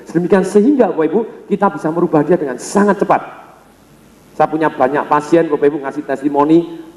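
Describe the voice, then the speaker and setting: A male sales trainer working a seminar crowd, quick-fire and high-pitched for a man, constantly turning to address the audience. His voice rings through a large hall with a long echo. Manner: energetic, keeps addressing the audience directly. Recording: echoey hall with long reverb.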